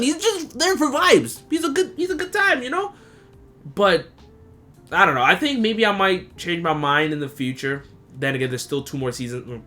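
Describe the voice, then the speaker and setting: A young man hosting a casual solo podcast, profane and animated, leaping into high excited squeals and then dropping to low muttered asides. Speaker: podcast host.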